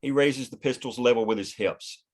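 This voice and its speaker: Male narrator, mid-range pitch, reads scene headings and stage directions for a screenplay read. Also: moderate pace. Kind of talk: scripted narration of screenplay action.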